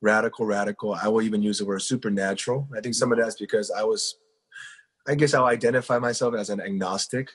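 A man's voice: lowish voice, steady tone, fast talker, slightly rough. A man in his twenties, a pastor and guest from South Korea, telling his story in an earnest, conversational way with plenty of fillers. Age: 20s. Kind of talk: casual interview storytelling.

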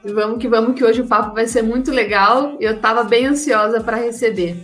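Here is a woman co-host with a fairly high voice, chatty and relaxed, who asks her questions at length and circles back as she goes. Faint music sits behind her. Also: a little fast. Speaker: podcast co-host. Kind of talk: casual podcast interviewing.

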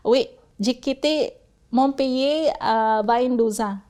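Slow-talking Filipino woman in her forties. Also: on the high side, a little mellow. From Philippines. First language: Bisaya. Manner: halting, searching for words with many pauses. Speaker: interview guest. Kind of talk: casual interview.

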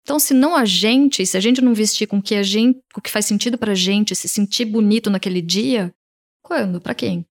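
A Brazilian woman with a Brazilian Portuguese accent, an image consultant answering interview questions in an animated way, often voicing what her clients say. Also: mid-range voice, fairly quick. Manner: animated, talks in quoted client voices.

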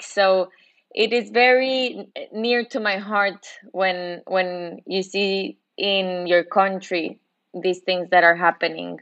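A woman's voice: lowish voice, fairly bright tone, dull audio. A woman from Guatemala, a podcast guest, answering earnestly in a conversational way. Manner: earnest, with occasional restarts.

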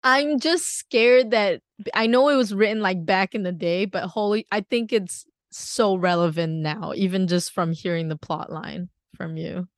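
A woman from Singapore chatting casually with a friend. She laughs easily and often leaves sentences half finished. Her voice sits at an ordinary pitch, recorded dry with little room sound. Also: unhurried, hardly any pauses, dry recording. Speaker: conversation partner. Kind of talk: casual chat.

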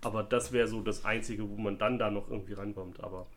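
A man's voice: on the low side, fairly even intonation, fast talker. A man co-hosting a casual talk about a crime case, speculating in a joking, rambling way. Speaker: podcast co-host.

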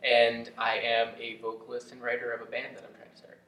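A man's voice: mid-range voice, completely flat delivery, fairly quick, pushed and bright. 18 y/o guy, hesitant, says like a lot, far off in an echoey room. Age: teens. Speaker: panelist, aspiring band vocalist. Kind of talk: casual panel discussion.

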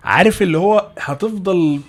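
A man with an Egyptian Arabic accent, a guest teaching English pronunciation in a casual podcast talk, animated and full of restarts. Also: high voice, faint music behind. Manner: animated, fast, many restarts and repeated words.

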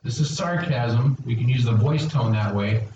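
A man's voice: mid-range voice, moderate pace, warm tone, slight background noise. A male pastor preaching a sermon in a church, engaging and questioning his congregation and calling for responses. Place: church sanctuary. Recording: very echoey hall, distant dull mic.

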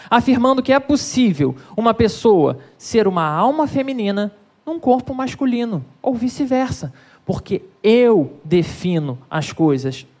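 A preacher with a Brazilian accent delivers a sermon. The voice swings from raised, pressing peaks down to low, quiet endings. The preacher speaks straight to the congregation and to those watching from home. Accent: Brazilian Portuguese. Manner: emphatic, with dramatic rises and drops in pitch; addresses both the congregation and viewers at home.

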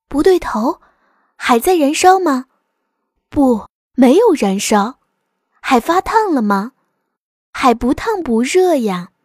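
A woman voicing excited gawking onlookers in a fireside bedtime fable, exclaiming and questioning. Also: high-pitched, slow pace, long pauses, no echo, clean studio sound, full character voice. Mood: excited, puzzled.

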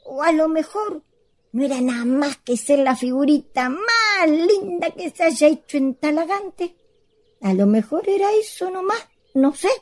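An actress playing a bossy, scolding elder-sister ghost in a radio play, with an expressive rustic Chilean accent. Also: female voice, high-pitched, measured pace. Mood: wistful. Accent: rural Chilean. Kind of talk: radio theatre acting.

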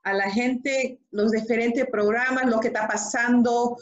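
A woman interviewer with a fairly high voice asks chatty, encouraging questions, nodding along with short affirmations. Her voice carries a roomy echo. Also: fairly even intonation, unhurried, dull audio. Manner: chatty, affirming with "ujú" and "qué bueno". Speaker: interviewer host.

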